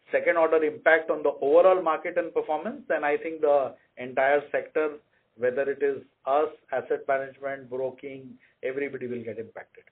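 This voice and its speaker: A man speaking as a company executive on an earnings call, explaining to analysts in a measured, methodical way over a conference line. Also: a little high, phone-quality sound.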